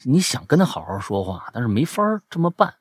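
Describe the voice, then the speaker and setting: A man hosting a casual chat show, telling stories in an animated, emphatic way. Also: medium pitch, quick pace, husky, dry recording, studio quality.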